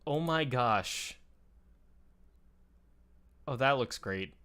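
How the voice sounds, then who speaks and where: A man's voice: medium pitch, lively intonation, extremely slow, sharp tone, clean tone. A man chatting casually and explaining things in a conversational, enthusiastic way, as a show host.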